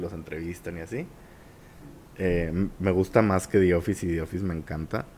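His pitch is very deep and low. The man's intonation stays fairly even. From Monterrey, Mexico. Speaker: film and geek culture blogger. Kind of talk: casual chat.

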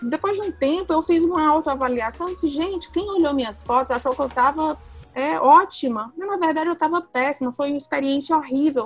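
Noticeable background noise sits behind a woman with a high pitch. She speaks at a fairly quick pace with ordinary pitch variation. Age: 40s. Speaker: podcast host. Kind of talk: casual chat.

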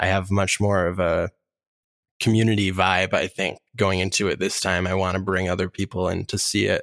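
Recorded very cleanly against a silent background, with a dry, close sound and no echo. The speaker talks at a moderate pace in an upstate New York accent, with monotone, flat intonation and very even loudness. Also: man, very deep, low pitch for a man. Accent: upstate New York American. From US Northeast, Adirondacks, upstate New York. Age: 20s. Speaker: mushroom forager and business owner. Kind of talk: interview conversation.

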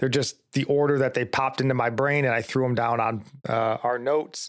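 With an American accent, a man in an unremarkable speaking voice talks at a fairly quick pace and medium pitch, his intonation fairly even, on a very clean recording with a silent background. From Michigan. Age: 30s. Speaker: podcast host. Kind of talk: casual chat.

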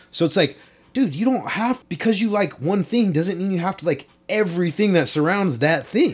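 Speaking with a Southern California accent, a man uses lively intonation at a high pitch. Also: moderate pace. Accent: Southern Californian English. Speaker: apparel brand founder and filmmaker. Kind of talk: casual interview conversation.

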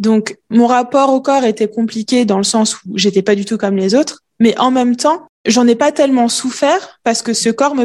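In a plain, everyday voice, a woman with fairly high pitch and ordinary pitch variation talks at a moderate pace with hardly any pauses. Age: 20s. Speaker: physiotherapist and health sport coach. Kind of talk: casual interview chat.

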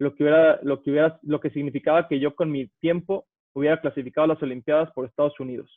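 Speaking at a very fast pace, a man uses a fairly high pitch and a monotone, flat intonation. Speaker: competitive swimmer. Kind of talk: casual chat.

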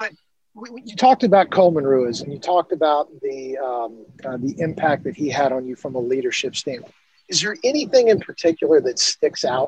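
This man talks at a fairly quick pace and a fairly high pitch. His pitch swings very widely and his loudness rises and falls in big swings. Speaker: podcast host. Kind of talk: casual interview. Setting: on the road, remote call.

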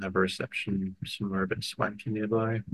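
Speaking at a moderate pace, a man uses a fairly low voice. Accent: English. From England. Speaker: podcast guest. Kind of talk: casual chat.

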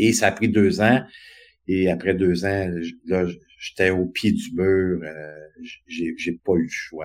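Speaking in a Quebec accent, a man with a very deep, low pitch talks at a very slow pace with long, frequent pauses and big swings in loudness. The recording is very clean, with a silent background. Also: fairly even intonation. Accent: Québécois French. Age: 50s. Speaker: motivational speaker. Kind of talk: casual interview chat.

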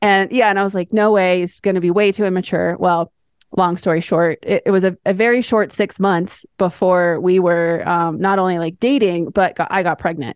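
A woman with an American accent talks at a moderate pace and medium pitch, her intonation fairly even. It is an unremarkable speaking voice, heard as a dry, close sound with no echo. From Colorado. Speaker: growth and performance coach. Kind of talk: casual chat.

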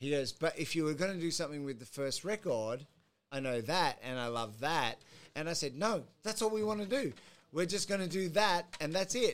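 A high-pitched man with an Australian accent and very wide pitch swings. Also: moderate pace. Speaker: music producer. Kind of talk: casual chat.

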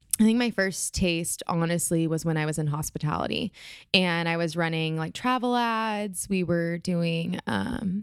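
Recorded very cleanly with a silent background and a dry, close sound with no echo, a woman speaks in a normal speaking voice with an American accent, fairly low pitch and ordinary pitch variation. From US West Coast, San Diego. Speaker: marketing agency owner. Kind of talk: casual chat.

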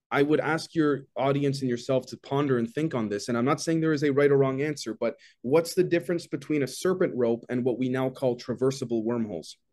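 A man with a plain, everyday voice, fairly high-pitched for a man, at a fairly quick pace with hardly any pauses, ordinary pitch variation, and a quiet background. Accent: Canadian. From Canada. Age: 20s. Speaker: podcast guest and consultant. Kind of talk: interview.

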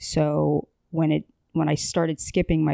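A woman with an American accent, very deep, low pitch, dark, mellow tone and vocal fry, in a very clean, dry, close recording with no echo and a silent background. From New York City. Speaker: guest sharing abortion experience. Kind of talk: testimony. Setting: recorded in person at a convention.

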